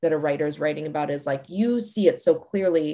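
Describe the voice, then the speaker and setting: A woman speaks with an American accent at a fairly quick pace, her tone dark and mellow with lively intonation. The recording is very clean, with a silent background. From US Midwest, Chicago North Shore suburbs. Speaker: novelist and creative writing teacher. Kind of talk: interview conversation.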